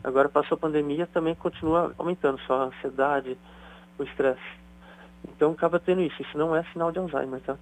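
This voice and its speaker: A man's voice: fairly high pitch, steady tone, fast talker, poor audio. A man, a doctor, explaining things in a chatty radio interview. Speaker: neurosurgeon guest.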